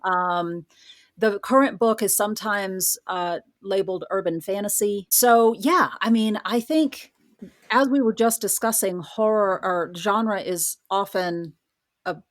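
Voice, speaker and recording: A woman's voice: medium pitch, a little slow. A woman speaking as a podcast guest, a writer and professor, giving articulate, explanatory answers in a conversational interview.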